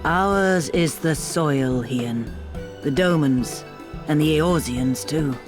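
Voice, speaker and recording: A solemn tribal seer. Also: male voice, a little high, over music. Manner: slow, solemn, oracular. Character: solemn male tribal elder seer, mystic. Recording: game soundtrack under the voice.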